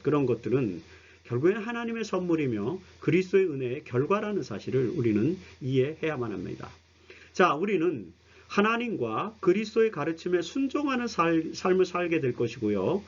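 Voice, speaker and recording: Earnest explanatory preaching comes from a man leading a broadcast Bible study lecture, talking directly to his audience. His voice is a little high and slightly rough, and the recording has its highs cut off.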